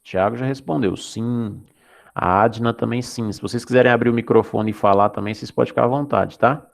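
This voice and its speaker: Gravelly-voiced man teaching an online class. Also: medium pitch, fairly quick. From Goiás, Brazil. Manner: explanatory, checks in with students often. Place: Anápolis, Brazil.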